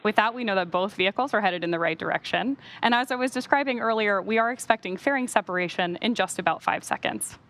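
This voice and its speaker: A woman's voice: mid-range voice, fast talker, hardly any pauses, a bit bright. A woman hosting a live launch webcast, explaining things step by step as commentary.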